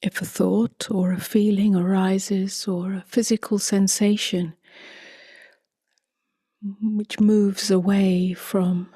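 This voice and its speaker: A woman leading a guided meditation in a soft, breathy half-whisper, with calm, gently spaced phrases. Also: medium pitch, takes it slowly, no room sound, clean studio sound. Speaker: meditation teacher.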